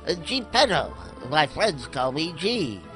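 A man's voice: fairly high pitch, very animated, bright, forceful tone, soft background music, full character voice. A man playing a kindly, hesitant fellow who stammers in an audio drama sketch. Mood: curious, hesitant. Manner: halting, stammering.

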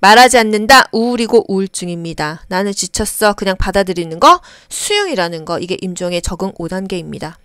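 A woman's voice: medium pitch, a little fast, few pauses, clean tone, dry recording, studio quality. A woman lecturer teaching exam questions for care worker training, acting out the quoted lines of patients as she goes. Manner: lively, acts out patient quotes.

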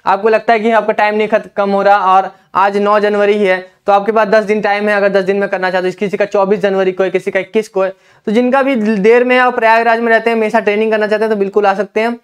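A young man with a high, clear, resonant voice and little pitch movement talks fast on a lapel mic while coaching exam candidates at a whiteboard in an indoor classroom. He delivers instructive lesson directions, often checking in with "theek hai" (ठीक है).

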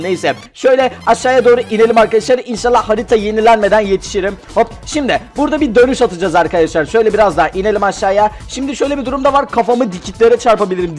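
A young man giving excitable Let's Play commentary, chatty and prone to frustrated outbursts. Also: sits high. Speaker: gaming YouTuber.

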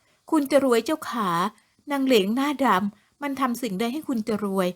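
A woman voicing a fawning, curious servant concubine in a storybook drama, with drawn-out wheedling politeness. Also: sits high, lively intonation, darkish tone, pitched above the performer's own voice.

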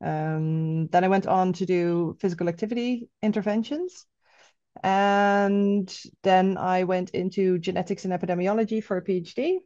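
A woman's voice: on the low side, fairly even intonation, normal speed, mellow, dry recording, dull audio. A woman in her thirties from the Netherlands with an Irish accent and Dutch as her first language, talking as a guest on a video call outdoors, hesitant with many ums. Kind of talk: casual interview over video call. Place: outdoors by trees.

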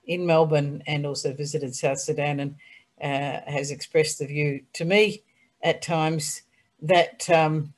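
A woman's voice: low voice, fairly even intonation, takes it slowly. An older woman chatting as a panelist on a video call, trailing off with ums as she passes the floor to others. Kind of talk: panel discussion. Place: small room indoors.

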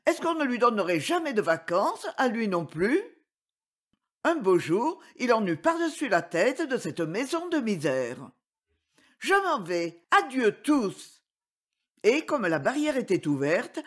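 A woman reading a fairy tale aloud for children, gentle and expressive. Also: medium pitch, a little slow. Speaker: audiobook reader.

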